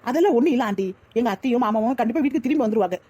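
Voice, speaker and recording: A woman voicing a rapid, earnest young pregnant wife. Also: a little high, expressive, warm tone. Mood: reassuring. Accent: Tirunelveli Tamil. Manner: reassuring, reasoning. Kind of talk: cartoon voice acting.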